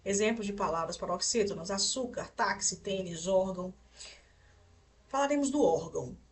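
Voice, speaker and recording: A woman's voice: mid-range voice, moderate pace, distant mic. Brazilian woman, young adult, patient grammar teacher; checks in often; sits back from the mic. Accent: Brazilian Portuguese. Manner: explains step by step, checks in with "certo?" and "tá?". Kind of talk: recorded online grammar lesson.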